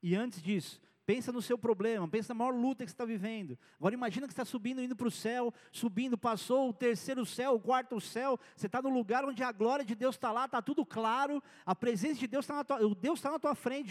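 A man's voice: extremely high pitch, fast, hardly any pauses, big-room sound. A man preaching a sermon as pastor, in a conversational style with personal stories.

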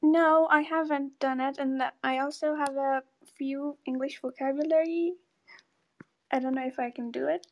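Young hesitant woman with high voice. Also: steady tone, moderate pace. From Iran. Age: young adult. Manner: hesitant, modest. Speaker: participant.

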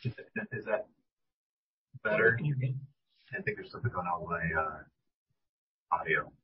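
Guy on a video call with echo all over his audio, kinda muffled, lowish voice, asks stuff politely. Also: lively intonation, takes it slowly, slight background noise. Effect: echo on his audio line. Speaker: analyst asking questions.

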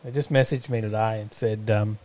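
A man's voice: fairly low pitch, fairly even intonation, a little fast, darkish tone. An Australian man hosting a live stream in casual, rambling chat, hesitating often as he goes. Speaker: host of a live-streamed show.

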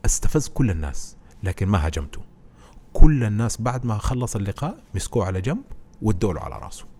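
A man, a podcast guest who explains presenting skills through animated stories in casual conversation. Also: fairly low pitch, quick pace, slightly rough. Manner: animated storytelling, explains with anecdotes.

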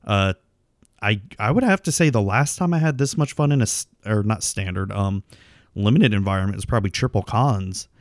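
A man's voice: fairly low pitch, expressive, fairly quick, dry recording, studio quality. A man hosting a casual solo podcast, rambling through plugs and game talk with lots of ums. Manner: rambling, filler-heavy, self-deprecating. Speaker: podcast host.

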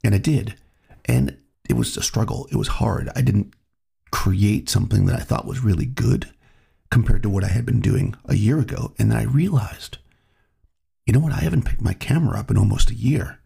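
A man hosting his own podcast, talking in a relaxed, reflective way while he has a cold. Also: fairly low pitch, moderate pace, gravelly, slightly rough. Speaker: podcast host. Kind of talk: solo podcast monologue.

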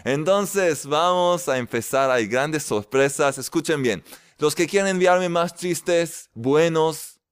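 A man giving a casual, lively spiritual lecture as a religious teacher, drawing out stressed words. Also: a little high, slow pace, smooth, no room sound, studio quality.

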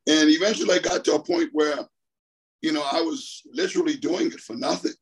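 A middle-aged man from the Bahamas, a track coach, talks a little fast in a slightly high, husky voice. Over the phone he tells his story in a rambling style, circling back to the same points and laughing frequently during the interview.

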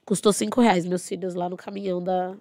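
A young adult woman and podcast guest telling her story in a blunt, animated, outspoken way, swearing freely. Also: lowish voice, a little fast, no room sound. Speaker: podcast guest, dance teacher. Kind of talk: casual storytelling.

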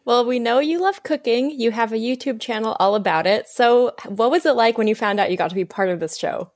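Brief: cheerful woman co-host, higher voice, dry close recording. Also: brisk, darkish tone, dry recording. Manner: cheerful, laughs while talking. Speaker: podcast co-host. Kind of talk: casual podcast chat.

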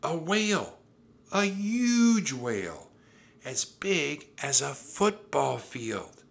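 A man voicing an eager, bold young girl in a children's storybook, with excited, simple childlike phrases. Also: mid-range voice, slow pace, pitched above the performer's own voice, exaggerated voice.

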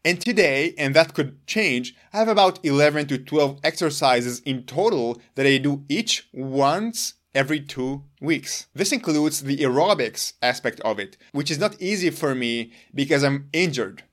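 A man whose first language is Hebrew, earnestly explaining his own exercise routine to the camera in a deliberate, emphatic way. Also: a little high, expressive, a bit bright. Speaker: longevity vlogger.

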